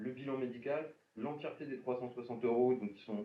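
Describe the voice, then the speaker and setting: This man talks at a fairly quick pace in a medium pitch, with ordinary pitch variation. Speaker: social psychologist presenting a health program. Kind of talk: presentation in an online meeting. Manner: fast; hesitant, many fillers.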